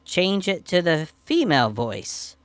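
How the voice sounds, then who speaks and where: A man's voice: wildly swooping pitch, measured pace, smooth, no room sound. Man through a female voice changer. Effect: voice changer pitch shift.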